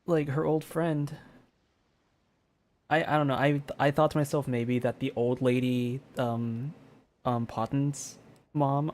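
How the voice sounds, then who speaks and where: A man giving casual live game commentary as a streamer, talking in a halting, rambling way. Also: mid-range voice, a little mellow. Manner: halting, rambling, frequent 'like'.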